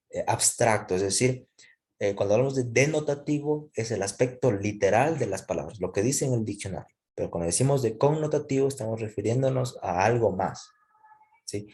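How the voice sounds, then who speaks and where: A man's voice: on the low side, mellow. A man teaching a class, explaining step by step and often checking in with his listeners. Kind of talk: classroom lecture.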